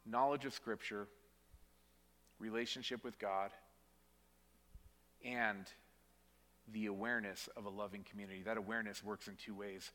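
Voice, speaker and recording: A male pastor preaching a sermon in a church. He speaks emphatically, repeats words as he goes, and drops to quiet, weighty lines. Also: on the low side, steady tone, moderate pace, long pauses, in a large hall. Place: church sanctuary.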